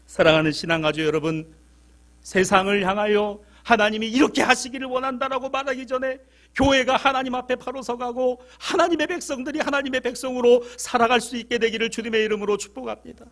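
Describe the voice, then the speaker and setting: A man with a high-pitched voice preaches to his congregation in a church. He asks rhetorical question after question, drops low and quiet, then rises with urgency. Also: steady tone, fast talker. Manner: impassioned preaching with rhetorical questions, swinging from soft to loud. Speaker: pastor. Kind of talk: sermon. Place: church sanctuary.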